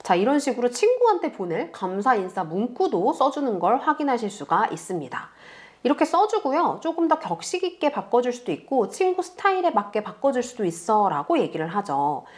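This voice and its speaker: A woman teaching beginners step by step in a calm, patient screen tutorial, speaking close to the mic. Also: fairly high pitch. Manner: patient, explains slowly to beginners. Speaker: online tutor.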